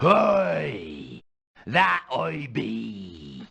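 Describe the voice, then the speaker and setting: A man puts on a character voice that is raspy and pitched very deep and low. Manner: playful, mock-gruff.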